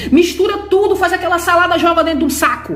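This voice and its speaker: A woman speaks at a fairly quick pace. Noticeable background noise and audible room echo surround her voice. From Brazil. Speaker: evangelical YouTuber. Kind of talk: religious teaching monologue.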